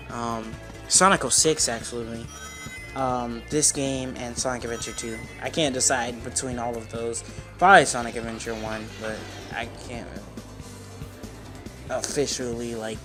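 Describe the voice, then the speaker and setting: A young man giving casual, slangy, rambling game commentary as the host of a gaming video. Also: mid-range voice. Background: video game music.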